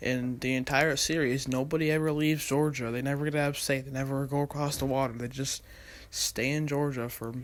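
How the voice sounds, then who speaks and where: Monotone, flat delivery from a man with a fairly high voice, with audible room echo. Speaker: gaming video essayist. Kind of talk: video essay commentary. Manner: halting.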